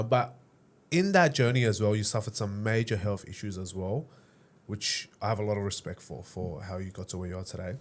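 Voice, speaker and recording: Young male host, lowish voice, casual and chatty, faint hiss behind. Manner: friendly, chatty, many fillers and repeated words. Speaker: podcast host. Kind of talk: casual interview chat.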